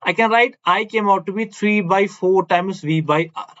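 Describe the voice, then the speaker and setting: A man's voice: high voice, normal speed, lo-fi sound. A man with a South Asian accent giving a classroom physics lecture, explaining step by step, repeating himself and adding question tags. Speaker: physics teacher.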